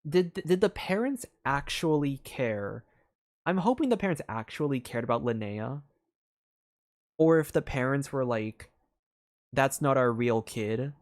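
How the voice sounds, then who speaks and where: A man's voice: medium pitch, lively intonation, unhurried. A man streaming a story game, thinking aloud in a rambling way, with many fillers and restarts. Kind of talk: casual live game commentary.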